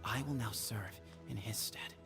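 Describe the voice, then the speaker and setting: A man voicing a composed, earnest young leader of a desert temple in a video game, speaking in a measured, formal way. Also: lowish voice, vocal fry, over music. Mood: hushed, reflective. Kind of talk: scripted video game acting.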